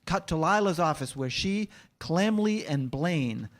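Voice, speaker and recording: A man reads scripted scene directions as the narrator of a staged reading. His voice is a little high for a man. He describes the action in the present tense. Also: animated, a little slow.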